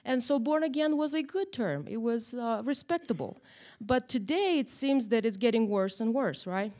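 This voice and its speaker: A woman from Moldova, teaching a church Bible lesson to a group in a chatty way, often adding "right?". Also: a little high. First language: Russian or Romanian. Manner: chatty, animated, tag questions. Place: church room, in front of a group.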